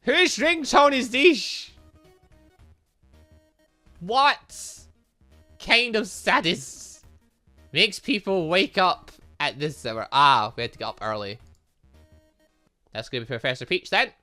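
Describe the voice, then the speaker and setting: A man's voice: high voice, expressive, slow pace, pauses often, bright, forceful tone, soft background music. A man hosting a gaming channel, giving let's play commentary on a visual novel with dramatic, exclaiming reactions.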